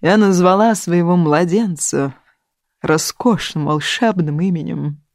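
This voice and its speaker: An audiobook reader voicing a theatrical, self-pitying older woman who speaks loudly and drags out her complaints. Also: mid-range voice, dry recording, studio quality, close to an everyday voice. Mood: aggrieved, tearful. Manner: melodramatic, loud and drawn-out.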